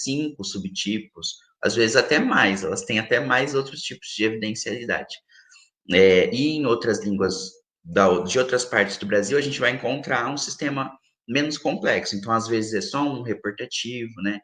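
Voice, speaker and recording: A man's voice: mid-range voice, a bit bright. A male linguistics professor with a Brazilian Portuguese accent, patiently explaining ideas with many examples as an interview guest. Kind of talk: explanatory academic interview answer. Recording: roomy echo.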